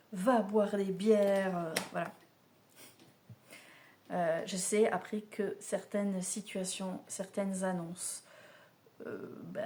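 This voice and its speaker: A woman's voice: lowish voice, a little mellow, slight background noise. Chatty woman doing a card reading. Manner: chatty, familiar, addresses the listener directly. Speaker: oracle card reader. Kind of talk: casual spiritual card reading to camera. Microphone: camera mic, filmed mirrored.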